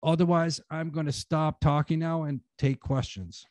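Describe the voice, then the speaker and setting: A man's voice: a little high, steady tone, normal speed, darkish tone, no echo. A man giving a casual talk on writing at an online conference, full of "like" and "you know" fillers, speaking over a video call. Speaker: guest speaker, writing teacher.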